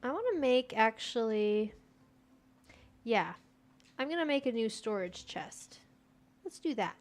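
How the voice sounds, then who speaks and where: With a fairly high, sing-song voice at a measured pace, a young American woman chats through her game stream. Persian is her first language, and she keeps up casual gameplay talk, answering viewers and talking to herself as she plays.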